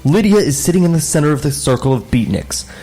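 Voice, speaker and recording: A man co-hosting a comedic table read, reading stage directions with wry, quick asides and frequent laughs. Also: fairly high pitch, expressive, warm tone, faint music behind.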